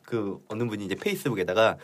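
Very animated male podcast co-host. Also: fairly low pitch, fast talker. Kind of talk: casual chat.

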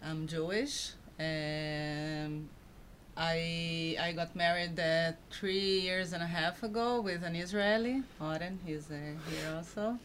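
A woman from Brazil introducing herself on a panel, halting and hesitant. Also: on the low side, steady tone, a bit bright, slight background noise. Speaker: panel guest.

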